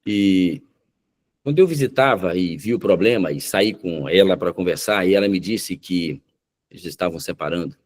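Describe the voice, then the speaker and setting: A male pastor telling a story in a sermon, dramatic and slowing down for emphasis. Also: low voice, darkish tone.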